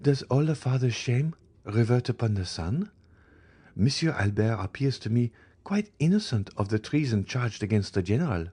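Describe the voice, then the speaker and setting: A man voicing a timid, gentle young girl. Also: medium pitch, expressive, moderate pace, slightly rough, voice pushed up. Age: young adult. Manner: timid, soft-spoken.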